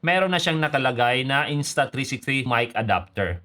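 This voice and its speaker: Man, Filipino accent, mid-pitched voice, casual tutorial delivery, conversational vlogger, code-switching with English. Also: animated, normal speed, sharp tone. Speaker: motovlogger and presenter.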